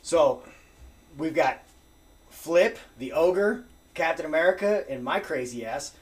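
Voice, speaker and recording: A man telling a wild story as a podcast guest, animated and profane, acting out what people said. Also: a little high, takes it slowly. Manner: animated, profane, acts out quotes. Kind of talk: casual storytelling.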